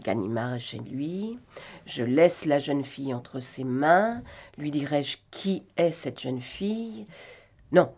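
A woman's voice: sits low, expressive, slow, heavily acted. A woman reading the part of a proud, shrewd English detective, with clipped, commanding speech. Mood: scheming. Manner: clipped, commanding, turns sharp and shouting when alarmed.

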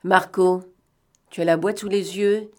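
A woman reading aloud and voicing a cunning male gentleman thief who talks in a mocking, bantering way and snaps out brisk orders. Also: fairly low pitch, steady tone, natural voice. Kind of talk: audiobook reading.

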